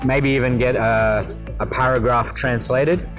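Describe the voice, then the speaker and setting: A man's voice: mid-range voice, fairly even intonation, measured pace, a bit bright. An Australian man chatting upbeat about travel tips in an interview, laughing easily. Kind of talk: casual interview answers. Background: background music.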